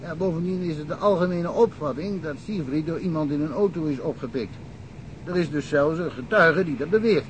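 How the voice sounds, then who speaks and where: A wry, talkative small-town cop, played by a man rambles through old cases with a dry chuckle. His voice sits a little high, with a faint hiss behind it. It is a radio play. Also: a little fast, close to an everyday voice, poor audio. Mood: amused, chatty. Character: chatty provincial cop, male, middle-aged, wry. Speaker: local police detective. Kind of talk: radio drama acting.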